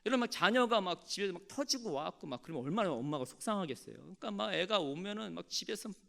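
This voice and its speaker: Male pastor, high and lively voice, animated sermon storyteller. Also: fast, creaky. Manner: animated storytelling, calls on the congregation to respond.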